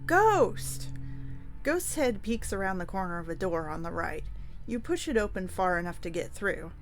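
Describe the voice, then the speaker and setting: A woman's voice: on the low side, animated, a little fast. A woman reading a storybook aloud expressively as host, with playful, dramatic asides to the listener. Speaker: host reading a choose-your-own-adventure book aloud. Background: music under the voice.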